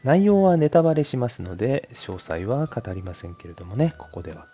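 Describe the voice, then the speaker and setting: A man's voice: medium pitch, sing-song, fairly quick, warm tone, slightly rough, lo-fi sound. A man hosting an audio show, making announcements and thanking listeners in polite, courteous language with chatty asides. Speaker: audio channel host and amateur voice performer.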